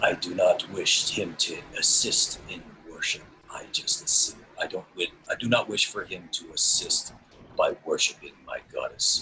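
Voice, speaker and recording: Whispering in a put-on character voice, a man speaks at a fairly slow pace with long, frequent pauses. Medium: actual play. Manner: formal, measured.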